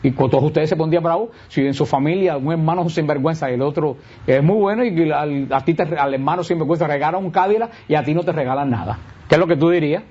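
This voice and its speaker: A man's voice: quick pace, hardly any pauses, husky. A man giving a conversational Bible teaching, asking his audience questions and answering them himself with emphatic swings. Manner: lively, rhetorical questions, answers his own questions; emphatic swings in pitch and pace. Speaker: Catholic preacher teaching on Romans. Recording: dull lo-fi recording.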